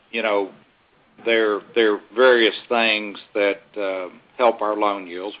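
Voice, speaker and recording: A man speaking as a company executive on an earnings call, giving halting, measured, carefully qualified answers off the cuff. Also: on the low side, slight background noise. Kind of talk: unscripted earnings call commentary. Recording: muffled lo-fi conference call audio.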